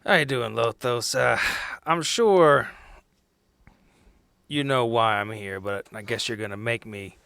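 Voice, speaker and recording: A man's voice: mid-range voice, unhurried, vocal fry, a bit bright, smooth, dry recording, studio quality. A man playing in a tabletop role-playing game, talking informally and improvising loosely. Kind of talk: casual improvised role-play chat.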